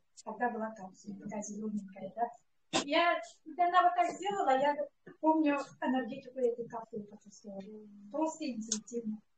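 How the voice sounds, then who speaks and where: Lively intonation runs through this woman's speech. Her pitch is high. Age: 60s. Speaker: product distributor presenting at a sales event. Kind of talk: product presentation with personal testimony. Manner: halting, many fillers.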